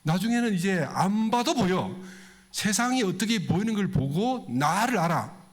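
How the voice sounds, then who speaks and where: A male preacher talks to his congregation in a temple hall. He keeps asking them questions and acts out the voices of people in his stories. His voice sits a little high and swings widely in pitch. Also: lively intonation, normal speed. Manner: conversational, asks the congregation questions. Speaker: pastor. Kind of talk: sermon.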